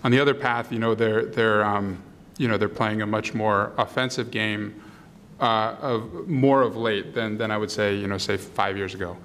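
A man's voice: fairly low pitch, steady tone, normal speed, a bit bright, slight background noise. A man speaking as a panelist at a policy discussion, filling his talk with "you know" and "um". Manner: filler-heavy, many "you know"s and "um"s.

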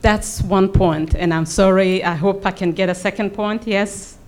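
A Burundian woman with a Burundian accent, an audience member asking a question at a public forum, makes earnest, explanatory spontaneous remarks. Her mid-range voice stays steady and unhurried.

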